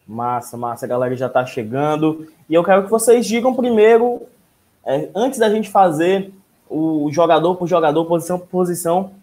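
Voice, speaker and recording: A man with a clearly high voice hosts a casual live sports show. He talks from a room at home over a video call on an earphone mic. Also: normal speed, mellow. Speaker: host. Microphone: wired earphone mic on video call.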